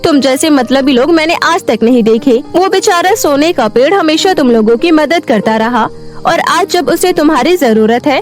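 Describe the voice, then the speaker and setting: A woman voicing a brave, devoted young village girl in a cartoon story, emphatic and determined. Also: high-pitched. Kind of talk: cartoon moral story voice acting.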